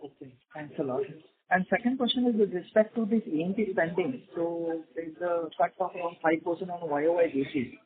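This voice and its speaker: Indian guy analyst, highish voice, asking business questions over a tinny phone. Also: fairly quick, a crowd in the background. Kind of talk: unscripted business call questioning. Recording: thin tinny phone line.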